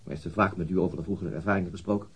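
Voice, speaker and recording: An actor playing a police detective in a radio drama, asking probing questions in a formal, hesitant, husky manner. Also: male voice, deep voice, steady tone, very fast, heavily acted. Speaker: police interrogator. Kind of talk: radio drama interrogation acting.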